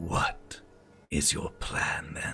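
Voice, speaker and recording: Whispering in a raspy, put-on character voice, a man plays his part. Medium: actual play. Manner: formal, measured.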